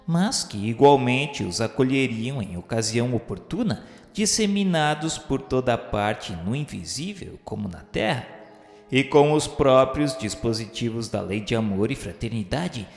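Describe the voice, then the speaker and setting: Gravelly man narrating a solemn radio serial. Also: medium pitch, big pitch swings. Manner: solemn, measured reading. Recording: reverberant room with faint music. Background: faint background music.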